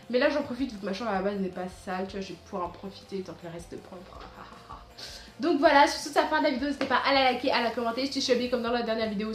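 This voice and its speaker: Teenage girl, fast rambling chat, bright higher voice, echoey room. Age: teens. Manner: chatty, rambling, lots of restarts and fillers. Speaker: vlogger. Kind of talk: casual back-to-school tips vlog.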